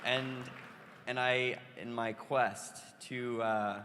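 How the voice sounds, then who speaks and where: A man's voice: mid-range voice, fairly even intonation, extremely slow, a loud crowd. Hesitant teenage boy on a panel. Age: teens. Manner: hesitant, many fillers and restarts. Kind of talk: panel remarks. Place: convention hall. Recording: hall reverb, faint noise.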